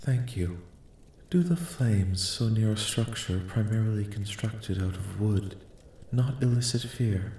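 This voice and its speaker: A man voicing a calm, curious alien in an ASMR roleplay, speaking softly with formal, detached, precise wording. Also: fairly low pitch, a little slow, reverberant, a little hiss or hum. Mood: calm, clinical. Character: calm, curious, clinical male alien studying human dreams. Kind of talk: soft-spoken ASMR roleplay, scripted.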